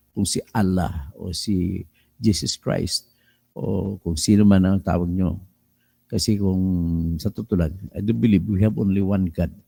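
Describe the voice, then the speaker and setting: At a fairly slow pace, a dark, mellow voice with ordinary pitch variation comes through dry and close, with no echo. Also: man, very deep, low pitch for a man. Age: 50s. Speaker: lawyer and political commentator. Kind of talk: live stream commentary.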